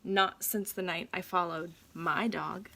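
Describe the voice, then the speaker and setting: A woman reading a children's story aloud like a teacher, with deliberate, dramatic phrasing for young listeners. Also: lowish voice, steady tone, creaky, noisy background.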